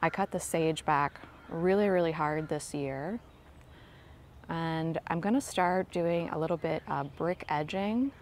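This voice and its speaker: Woman, low voice, chatty garden tour vlog, phone mic outdoors, faint ambience. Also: measured pace, a little hiss or hum. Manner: gentle, enthusiastic, chatty. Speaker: garden vlogger giving a tour. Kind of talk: casual walking garden tour. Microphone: handheld phone camera, filming while walking.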